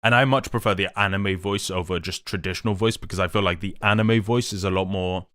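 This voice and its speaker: A man's voice: low-pitched, fairly even intonation, fairly quick, fairly bright tone, dry recording. A young man hosting a live stream, chatting casually and enthusiastically, rambling with many restarts. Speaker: livestream host.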